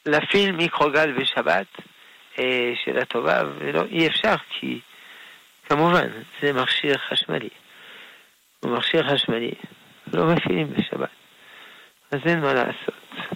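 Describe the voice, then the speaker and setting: A man, a rabbi, answering listener questions on a radio call-in show in a gentle, unhurried way. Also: on the high side, vocal fry, poor audio. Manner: gentle, unhurried, explains patiently with soft laughs.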